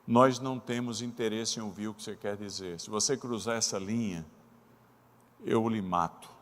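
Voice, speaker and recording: A man's voice: on the low side, fairly even intonation, moderate pace, lightly acted. A man voicing a hostile island chief who sternly threatens a stranger, in a church hall. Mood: threatening. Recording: long reverb of a church hall.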